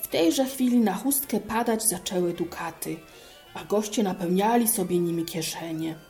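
A woman calmly narrating a fairy tale aloud. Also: lowish voice, normal speed, soft background music.

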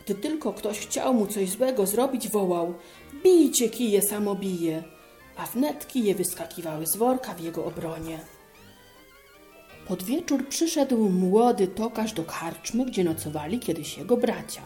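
Slow mellow woman reading a fairy tale. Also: mid-range voice, lively intonation, faint music behind. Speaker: narrator.

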